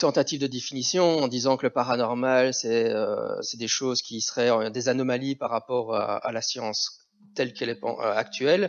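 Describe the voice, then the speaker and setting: At a moderate pace, a man speaks with a medium pitch and fairly even intonation. He has an unremarkable speaking voice. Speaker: psychologist and skeptic podcast host. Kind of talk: live public talk interview.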